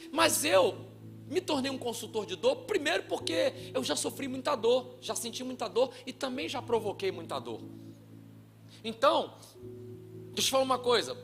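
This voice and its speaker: A man from Brazil preaching a sermon in a church, telling a story with acted-out voices and shouts. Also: high voice. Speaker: pastor.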